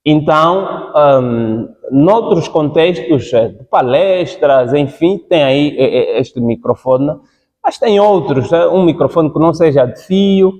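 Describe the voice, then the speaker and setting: A man's voice: fairly high pitch, expressive, slow, darkish tone, long reverb tail. A man coaching a student on public speaking, repeating key points for emphasis and checking in with the listener as he goes. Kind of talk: spoken critique in a class.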